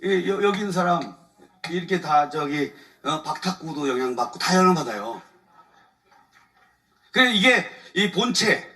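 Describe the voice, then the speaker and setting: Bright, lively man speaking far off-mic. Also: on the high side, unhurried, long pauses. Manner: colloquial, chuckles often, aggrieved storytelling. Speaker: lawyer giving testimony at a church meeting. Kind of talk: animated testimony talk. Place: church evening service before a congregation.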